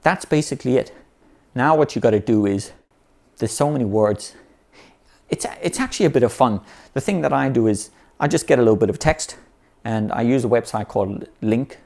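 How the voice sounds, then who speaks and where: He talks briskly in a mid-range voice that's gravelly and a little mellow, giving an off-the-cuff lesson on learning vocabulary. A native English speaker, he keeps it easygoing, repeatedly restarting phrases and saying "you know."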